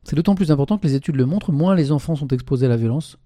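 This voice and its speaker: A man live-streaming in a relaxed, chatty way, reading press passages aloud and then adding his own remarks. His voice is dark and mellow. The sound is dry and close, with no room echo. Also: on the high side, rapid-fire. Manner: conversational, tags sentences with "hein"; reads article passages aloud, then comments.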